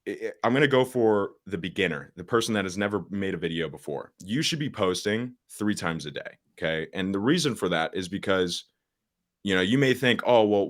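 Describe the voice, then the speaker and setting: A young man with a very low, deep voice talks as a guest in a casual podcast interview. He is a social media coach and gets straight to the point, with plenty of fillers and restarts along the way. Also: fairly bright tone. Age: late teens.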